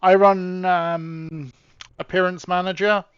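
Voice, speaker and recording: A man's voice: high voice, little pitch movement, slow, smooth, no room sound, highs cut off. A man casually chatting with his live-stream audience while setting up soldiers in a game, often trailing off and restarting.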